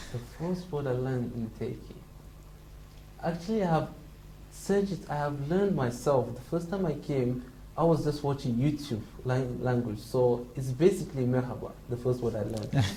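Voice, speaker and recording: There is audible room echo as a man speaks with a Somali accent at a moderate pace. His pitch is medium, with ordinary variation. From Somalia. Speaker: international student. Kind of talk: interview. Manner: hesitant.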